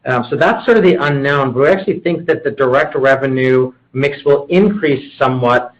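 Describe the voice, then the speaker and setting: A man's voice: mid-range voice, a little fast. A man speaking as a company executive, explaining business matters on a conference call. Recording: dull conference call audio.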